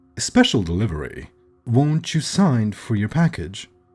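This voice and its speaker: A man puts on a resonant character voice at medium pitch, with very wide pitch swings and a moderate pace. Faint music plays in the background. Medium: read story. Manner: cheerful, mocking, wheedling.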